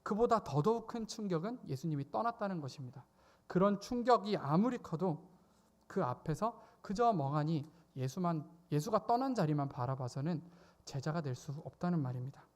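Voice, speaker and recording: A male youth pastor delivers a sermon at a church service. His voice sits a little high for a man. He talks in an animated way, rising into sudden loud exclamations whenever he acts out a quoted voice. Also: moderate pace.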